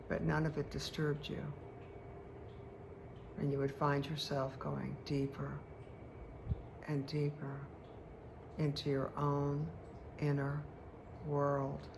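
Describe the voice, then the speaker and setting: A woman leads a guided meditation in a very slow, even voice. She lets phrases settle with long, deliberate pauses, soothing and hypnotic, with a gravelly fry in the tone. Clear background noise sits under her voice. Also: low voice.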